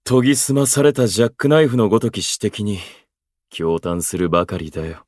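An actor playing an aloof, eloquent station worker in a voice drama, speaking in florid, pompous, unhurried phrases. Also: male voice, fairly low pitch, a little mellow, dry recording, studio quality, close to an everyday voice. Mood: intrigued, sincere. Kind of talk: Japanese voice drama acting.

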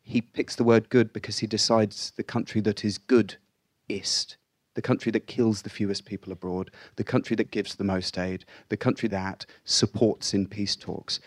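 A man with a fairly low voice speaks as a panelist, measured and persuasive, stacking points in rhythmic lists. The sound is close and dry. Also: little pitch movement, no room sound. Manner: measured, persuasive, list-like rhetoric. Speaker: panelist, magazine editor. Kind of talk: panel discussion.

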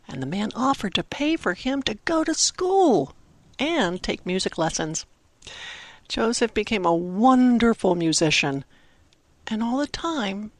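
Expressive woman storyteller with a high voice. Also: no room sound. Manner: expressive, simple phrasing with emphatic pauses. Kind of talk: dramatic Christmas storytelling for children. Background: music under the narration.

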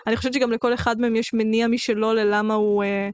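A woman's voice: on the high side, flat delivery. A young woman co-hosting a casual book-discussion podcast, thinking aloud in a reflective way. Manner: thoughtful, talks through ideas with many fillers. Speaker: podcast co-host.

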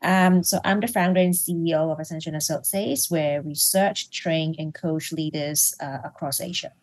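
A middle-aged woman from Hong Kong speaks as a guest in a business interview, her voice sitting a little low. She talks in a thoughtful, searching way, with fillers and restarts as she builds each point. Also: steady tone, normal speed, darkish tone. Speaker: executive coach, guest.

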